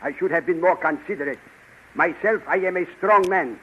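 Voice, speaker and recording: A man's voice: high voice, a little fast, lightly acted. A man playing a formal, considerate scientist in a 1930s radio drama, with stilted phrasing. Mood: calm. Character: middle-aged male scientist, formal and considerate. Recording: muffled old 1930s radio recording with hiss.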